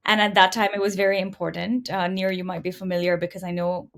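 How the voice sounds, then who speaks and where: A woman's voice: lowish voice, level tone, quick pace, a bit bright. A middle-aged woman from India, speaking conversationally as an interview guest about her own experience. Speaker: podcast guest, entrepreneur. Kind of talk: conversational interview answers, telling own story.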